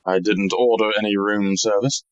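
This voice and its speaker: An actor playing a wry, evasive, cornered jewel thief in an audio play, dry and guarded in manner. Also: male voice, lowish voice, steady tone, normal speed, muffled recording, background noise, natural voice. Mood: scornful. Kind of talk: stage-like audio drama acting.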